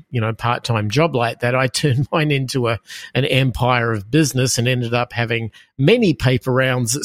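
A man in his fifties with an Australian accent, a podcast guest telling his story in a relaxed, rambling way with many fillers. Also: mid-range voice, no room sound, studio quality. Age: 50s. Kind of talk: casual interview storytelling.

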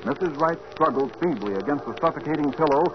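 A man's voice: fairly high pitch, animated, quick pace. A man announcing and narrating a 1940s radio drama in a dramatic style. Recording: dull old radio recording with clear hiss.

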